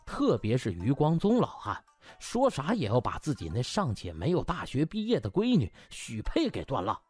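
Male audiobook narrator, comic storytelling, highly animated delivery over music. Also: moderate pace, husky. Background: background music.

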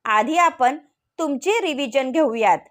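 A woman voicing a strict middle-aged male professor who speaks in a stern, deadpan way. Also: high-pitched, a little slow.

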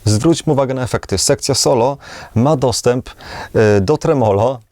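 A man's voice: mid-range voice, normal speed, loud music behind the voice. A man giving casual demo commentary as he reviews an instrument.

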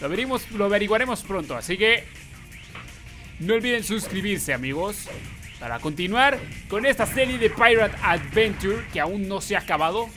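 Excitable high-voiced gaming YouTuber man. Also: moderate pace, music in the background. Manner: excitable, loud exclamations and playful yelps. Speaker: YouTube gamer host. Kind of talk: gameplay commentary.

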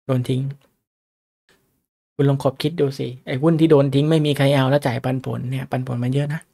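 A man with a mid-range, gravelly, warm voice hosts a casual stock analysis livestream, speaking a little fast in a steady tone. He's chatty and often throws rhetorical questions at his viewers.

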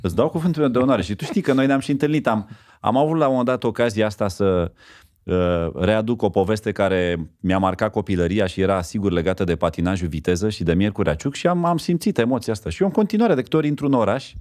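A man's voice: on the low side, lively intonation, a little mellow, no room sound, studio quality. A man hosting a podcast interview, chiming in with affirmations and sharing his own memories. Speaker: podcast host.

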